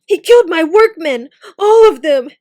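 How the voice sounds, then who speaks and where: A woman's voice: extremely high pitch, steady tone, normal speed, voice pushed up. A woman voicing a terrified, scorched young man who shrieks and sobs. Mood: frantic. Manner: shrieking, gasping, near tears.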